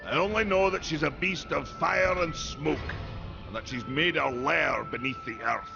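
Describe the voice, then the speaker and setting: An actor playing a solemn, battle-worn tribal hunter in a fantasy video game, telling things gravely in a gravelly voice. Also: male voice, on the high side. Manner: slow, grave storytelling. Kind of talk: video game cutscene acting. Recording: dull sound with music behind.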